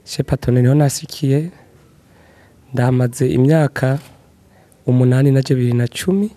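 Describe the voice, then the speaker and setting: A man's voice: medium pitch, normal speed, warm tone. A man from Burundi, speaking earnestly and gratefully in a radio interview. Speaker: community representative.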